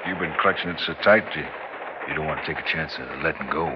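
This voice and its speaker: An actor playing a gruff old Alaskan mountain man and prospector, folksy, wry and stubborn, in an old drama. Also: rumbling low, fast talker. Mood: teasing. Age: older. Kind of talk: old broadcast drama acting. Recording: muffled, noisy old drama soundtrack.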